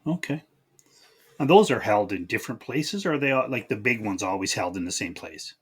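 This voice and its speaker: A man with a slightly low voice hosts an interview podcast. His delivery is conversational and casual, like an informal chat with a guest. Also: expressive, a little fast, breathy edge. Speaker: podcast host.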